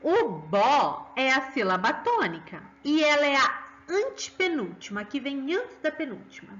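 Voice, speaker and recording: Woman, Brazilian Portuguese accent, teacher, sing-song, high, muffled lo-fi recording. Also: sing-song, fairly bright tone. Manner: sing-song, coaxing, slow syllable stressing. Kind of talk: children's lesson.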